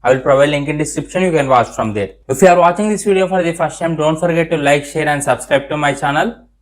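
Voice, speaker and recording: A man's voice: a little high, fast talker. A man with an Indian accent giving a step-by-step programming tutorial in a repetitive, instructional manner. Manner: repetitive, instructional, spells terms out letter by letter.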